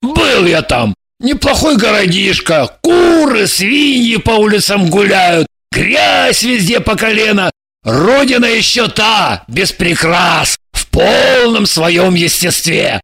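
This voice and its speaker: A man's voice: high-pitched, big pitch swings, slow, full character voice. A man voicing a blunt, impatient male spy handler in his thirties, reading an audiobook. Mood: explaining. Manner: blunt, impatient, gravelly and shouting.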